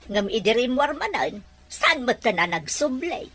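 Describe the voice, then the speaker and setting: A woman acting as a weary, resentful mother in an amateur audio drama, with drawn-out delivery. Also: fairly high pitch, sing-song, fairly bright tone, faint music behind, heavily acted. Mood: worried, complaining.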